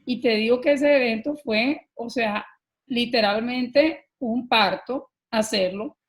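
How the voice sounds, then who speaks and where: A middle-aged Colombian woman telling her own story as a podcast guest, earnest and animated, often pausing with filler words. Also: a little high. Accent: Colombian Spanish. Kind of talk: personal storytelling in an interview.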